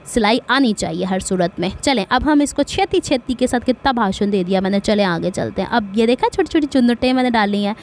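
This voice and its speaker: A woman's voice: a little high, lively intonation, darkish tone, a little hiss or hum. A middle-aged woman from Pakistan with a Punjabi accent, giving a chatty sewing tutorial and wandering into asides and blessings. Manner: speaks slowly on purpose. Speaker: sewing vlogger.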